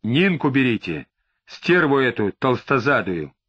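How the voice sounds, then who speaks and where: Brief: fretful, sniveling male suspect, read by a male narrator, lively pitch. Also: unhurried, husky, muffled recording, full character voice. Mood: panicky. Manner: sniveling and agitated. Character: whining, tearful, panicky middle-aged male suspect.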